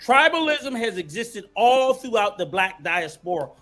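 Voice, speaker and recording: A man's voice: high voice, big pitch swings, unhurried, pushed and bright, soft background music. A man on a podcast panel debating heatedly, insisting on finishing his point.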